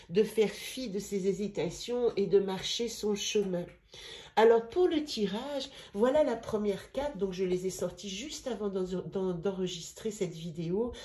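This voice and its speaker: Brief: middle-aged woman with a cold, gentle rambling card reader, mellow tone. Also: mid-range voice. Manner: gentle, meandering, with pauses and fillers. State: has a head cold. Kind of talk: spiritual card-reading video.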